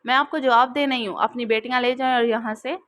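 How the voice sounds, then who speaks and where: An arrogant young husband from a romance audiobook, smirking and cold, read by a woman narrator. He talks slowly and with mockery. The voice stays fairly high and unforced. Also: steady tone, a bit bright, lightly acted. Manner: mocking, unhurried.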